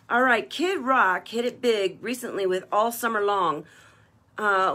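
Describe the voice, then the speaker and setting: A woman hosts a live-stream jewelry sale, talking casually and gushing over the colors and styles of every piece. Her voice sits at an ordinary middle pitch. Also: sharp tone. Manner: chatty and gushing, praising each piece. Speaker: jewelry seller hosting a live online party. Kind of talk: live-stream sales chat.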